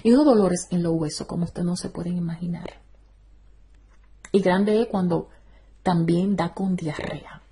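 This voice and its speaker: A woman's voice: fairly low pitch, unhurried, long pauses, mellow, husky. A middle-aged woman evangelist, giving a fervent testimony sermon and breaking in with praise exclamations.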